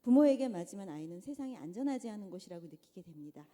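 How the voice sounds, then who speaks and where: A middle-aged woman giving a conversational church lecture to mothers, animated and often asking the audience questions. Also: medium pitch, quick pace. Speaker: guest lecturer. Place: large church hall. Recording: long church hall reverb.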